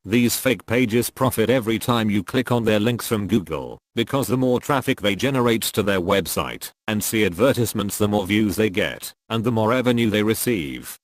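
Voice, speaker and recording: A man reading a solemn, formal scripted warning as an anonymous spokesperson, his voice disguised to sound deep. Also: no room sound. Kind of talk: scripted statement read aloud.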